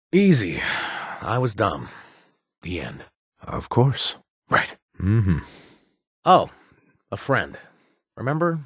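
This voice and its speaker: A husky, wry ex-raider. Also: male voice, fairly low pitch, fairly bright tone, dry recording, clean studio sound, full character voice. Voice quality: husky, punning, easygoing. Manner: wry and hesitant, lots of uh fillers. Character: wry former raider man, trying to stay clean. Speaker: companion character. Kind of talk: video game voice acting.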